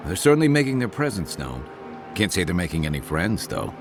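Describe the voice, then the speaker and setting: An actor playing an easygoing, wry adventurer companion in a video game, teasing and reflective. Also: male voice, sits low, big pitch swings, fairly quick, over music. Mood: wry, concerned. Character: easygoing wry male adventurer companion, weathered but good-humoured. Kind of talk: naturalistic video game dialogue.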